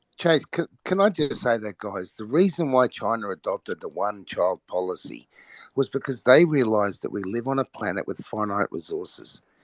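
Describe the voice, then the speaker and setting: With an Australian accent, a man's voice swings very widely in pitch on a very clean recording with a silent background. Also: medium pitch for a man, moderate pace, dry, close sound with no echo. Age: 50s. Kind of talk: casual chat.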